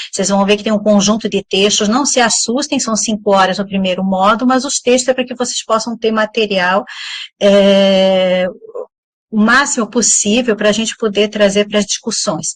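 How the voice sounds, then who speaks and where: A somewhat breathy woman at a moderate pace with ordinary pitch variation. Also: fairly high pitch for a woman. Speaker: university lecturer and researcher. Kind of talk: online lecture.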